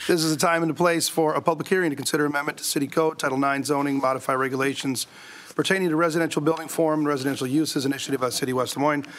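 A man chairing a city council meeting as mayor, reading agenda items in a brisk, procedural way at a desk microphone in a council chamber. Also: on the high side, steady tone, a bit bright.

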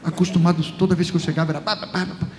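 A man with a Brazilian Portuguese accent, a pastor giving a lively personal testimony in a large church, acting out conversations as he goes. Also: a little high, racing, a little hiss or hum. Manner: lively storytelling, acts out dialogue, chuckles often. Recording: reverberant church hall, faint ambience.

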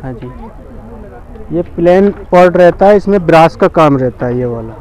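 A man's voice: on the high side, lively intonation, moderate pace, darkish tone, poor audio. A man selling handicrafts at an expo stall, politely explaining his goods to a customer and often saying "sir ji". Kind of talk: sales pitch to customer. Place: indoor expo stall in a large tent.

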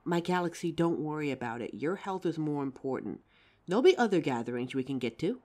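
A woman's voice: sits low, expressive, brisk, a little mellow. A woman playing a tender, reassuring lover in an audio drama, speaking affectionately and soothingly.

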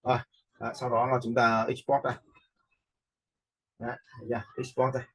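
A man giving a casual screen-share software lesson, often checking in with his learners through short questions. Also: medium pitch, level tone, moderate pace, husky, poor audio. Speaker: instructor in animation software tutorial.

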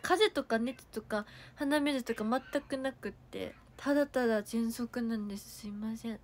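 A young woman with a high voice and a Kansai accent, chatting casually on a livestream. She reads viewer comments aloud and thanks people. She coughs now and then and her throat sounds sore. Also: moderate pace. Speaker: idol livestreamer.

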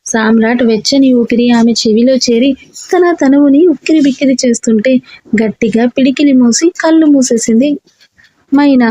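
Woman storyteller, audiobook romance narration, steady expressive reading, dry close recording. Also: sits high, dry recording.

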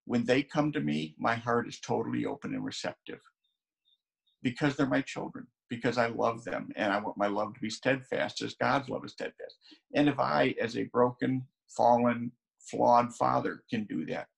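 A man's voice: medium pitch, gravelly, husky, low-quality recording. A man in his sixties, a pastor, preaching an earnest, conversational sermon from his home sunroom to a camera, often restarting his sentences.

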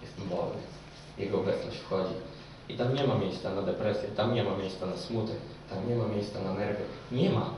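A man's voice: lowish voice, brisk, a little hiss or hum. Fervent young male preacher in an echoey hall. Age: young adult. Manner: fervent, swings from loud excited storytelling to hushed intimate tones. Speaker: evangelist preacher. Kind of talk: sermon. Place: church hall with audience. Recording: very echoey hall, speaker far from mic.

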